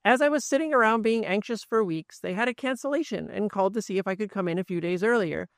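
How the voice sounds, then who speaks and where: A woman hosting a podcast, speaking earnestly in a steady, scripted personal monologue. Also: mid-range voice, quick pace, no echo, clean studio sound. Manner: earnest, steady, with show plugs. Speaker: podcast host.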